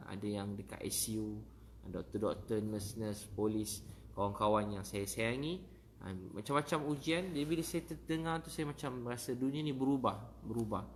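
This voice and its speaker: A man's voice: on the low side, a little hiss or hum. A man with a Malaysian accent, a preacher telling a story in a casual livestream talk and greeting viewers by name.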